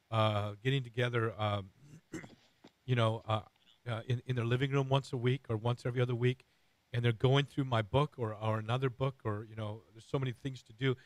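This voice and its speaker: Hoarse, raspy middle-aged male radio host. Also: mid-range voice, fairly bright tone, no echo. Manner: earnest, rambling with many fillers and restarts.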